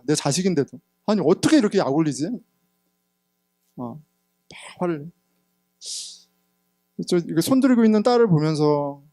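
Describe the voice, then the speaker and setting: A man in his thirties preaching a sermon as pastor, telling a personal story candidly, getting loud at times and hushed at others. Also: high-pitched, no echo, clean studio sound. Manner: candid storytelling, sometimes laughing, swings between loud and hushed. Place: church sanctuary.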